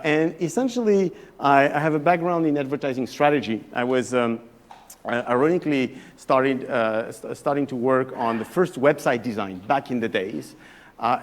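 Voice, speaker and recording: A man in his thirties with a French accent, a professor giving an evening talk to a live audience in a chatty, hesitant way that often restarts phrases. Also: medium pitch. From France. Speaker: guest lecturer, professor.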